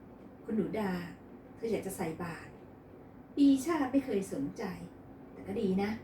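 ผู้หญิงเล่นเป็นหัวหน้าแม่บ้านขี้บ่น. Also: female voice, medium pitch, animated, a little slow, dark tone, slight background noise, close to an everyday voice. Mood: nagging. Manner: chatty, nagging. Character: nosy head housekeeper, middle-aged woman. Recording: echoey room, distant mic.

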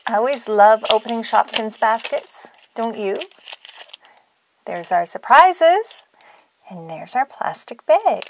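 A woman's voice: on the high side, expressive, slow, slight background noise. A woman hosting a toy unboxing for children, narrating playfully in a gushing, exclamatory, sing-song way. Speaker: toy unboxing video host.

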